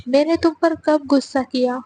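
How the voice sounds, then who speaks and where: A woman voicing a brash, short-tempered young man in an audio story, speaking gruffly and with exasperation. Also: high voice, fairly even intonation, warm tone, voice pushed up, natural voice, rough recording. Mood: angry.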